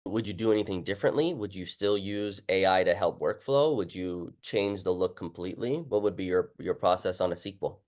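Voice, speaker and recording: A man's voice: deep voice, brisk, few pauses, darkish tone. A man hosting a casual interview, talking informally and often acting out his own past remarks as he goes. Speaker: interviewer, book author. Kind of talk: casual chat.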